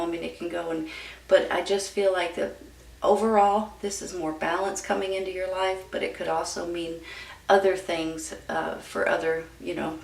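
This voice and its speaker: Creaky-voiced woman, roomy distant recording. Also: on the low side. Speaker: tarot reader. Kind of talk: casual tarot reading addressed to viewers. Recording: roomy, distant mic with background noise.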